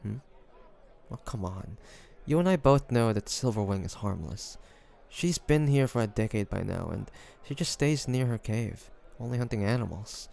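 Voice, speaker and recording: A man with a low, gravelly yet mellow voice acts out a devoted fantasy adventurer and healer who cherishes his dragon beloved, addressing the listener in a dramatic audio roleplay. At a moderate pace and with lively intonation, he comes across as guarded, shocked and determined, speaking intimately and earnestly between breathy sighs while chatter sounds behind him.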